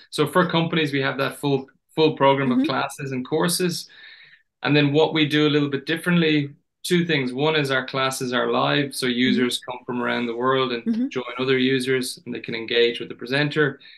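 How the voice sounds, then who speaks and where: A man with a Dublin accent speaks at a fairly high pitch. His pace is fairly quick, with ordinary pitch variation. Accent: Irish (Dublin). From Ireland, Dublin. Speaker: former pro tennis player, business founder. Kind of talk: interview conversation. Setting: remote call from Ireland. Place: home room. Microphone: video call.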